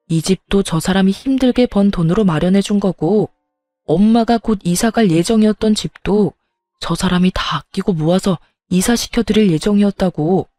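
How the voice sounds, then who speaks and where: A woman's voice: mellow, no room sound, clean studio sound, close to an everyday voice. A woman voicing a protective husband who confronts his mother firmly and angrily in a told story. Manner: low, firm, angry confrontation. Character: protective husband, man in 30s, stern and furious.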